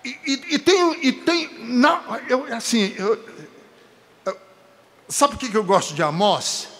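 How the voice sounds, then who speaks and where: Brazilian male preacher, high-pitched, slow deliberate sermon delivery, emphatic, long hall reverb. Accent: Brazilian Portuguese. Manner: emphatic, building to forceful peaks, with chatty asides to the congregation.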